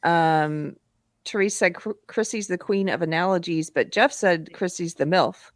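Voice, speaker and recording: A woman's voice: fairly low pitch, unhurried, no echo, clean studio sound. A woman hosting a live panel discussion who reads viewer donation messages aloud and thanks the people who sent them. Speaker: panel host.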